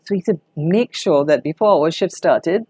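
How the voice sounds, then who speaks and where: A woman's voice: on the low side, normal speed, dark tone, husky, dry recording. An older woman with a Trinidadian accent reminiscing conversationally in an interview, telling anecdotes expressively as a veteran broadcaster.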